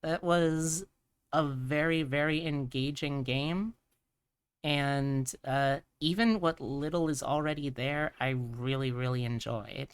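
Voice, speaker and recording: A woman's voice: rumbling low, slow pace, smooth, no room sound. A woman hosting a casual live stream, chatting and thinking aloud in a rambling way. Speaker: streamer host.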